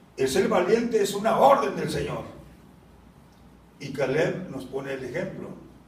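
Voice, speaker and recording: A man's high voice at a fairly slow pace, with very wide pitch swings, big swings in loudness and long, frequent pauses, amid noticeable background noise and audible room echo. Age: 80s+. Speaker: preacher. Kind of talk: sermon. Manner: halting, with repetitions and fillers.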